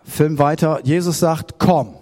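A pastor from Germany preaching a sermon, retelling a story with lively acted-out voices. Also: male voice, high-pitched, moderate pace, faint music behind. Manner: animated storytelling, acting out the disciples' voices. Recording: hall with long reverb.

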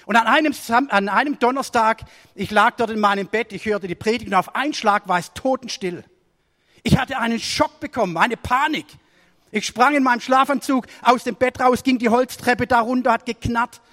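A man preaching with a high voice that climbs for emphasis and drops low for quieter moments. The sound carries a long reverberant tail, as in a church hall. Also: moderate pace. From Germany. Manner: storytelling sermon with swings between raised emphasis and quiet asides. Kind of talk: sermon.

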